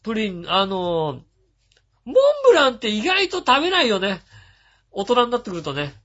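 A man hosting a radio show, reading listener messages and chatting about them in a relaxed, rambling way with frequent chuckles. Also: high-pitched, moderate pace. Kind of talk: casual chat. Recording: dull lo-fi sound.

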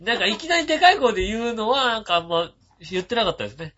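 A man hosting a radio show, reading listener messages and chatting about them in a relaxed, rambling way with frequent chuckles. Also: high voice, racing. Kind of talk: casual chat. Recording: dull lo-fi sound.

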